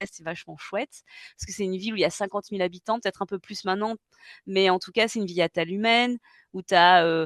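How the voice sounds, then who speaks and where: In front of a quiet background, a woman of medium pitch talks at a very fast pace with big swings in loudness. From southern France (Var, near Toulon). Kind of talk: casual interview conversation. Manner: hesitant, many fillers.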